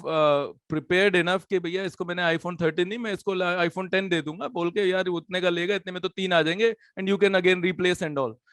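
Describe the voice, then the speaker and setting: Quick man, dry close sound. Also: high voice, fairly bright tone, dry recording. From Hong Kong. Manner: quick, mixes Hindi and English, repeats words. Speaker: franchise company guest. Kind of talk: webinar interview.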